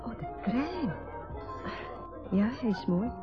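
An actress playing a wistful, reproachful grown daughter with a husky voice in a naturalistic radio drama. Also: female voice, on the high side, big pitch swings, slow. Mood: teasing. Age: adult. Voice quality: husky, breathy. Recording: dull lo-fi radio recording with music.

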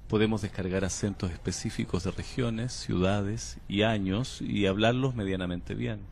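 A man playing a calm, cryptic time traveler. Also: lowish voice, vocal fry, slight background noise. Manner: slow, measured, unsettlingly calm. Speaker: patient under interview. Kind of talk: audio drama acting.

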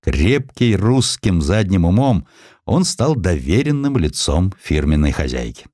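A man narrating a historical sketch as an audiobook, telling it expressively and slowing down for quoted lines. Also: no echo, clean studio sound. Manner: expressive storytelling, voices quotes with shifts of pitch and slowing down.

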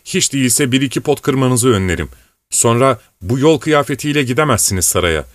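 A man voicing an excitable, fussing older landlady in an audiobook reading. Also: medium pitch, fairly quick, no room sound, clean studio sound, pitched above the performer's own voice, lightly acted. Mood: flustered fussing. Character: fussy chattering older landlady.

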